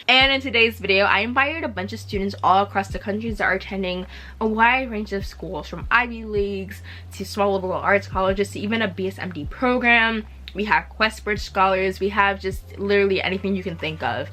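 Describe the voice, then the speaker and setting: A woman's voice: mid-range voice, pushed and bright. A young adult woman hosting her own channel, talking casually and upbeat to the camera, full of "literally". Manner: chatty, upbeat, says "literally" a lot. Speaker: channel host. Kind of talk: casual vlog talk to camera.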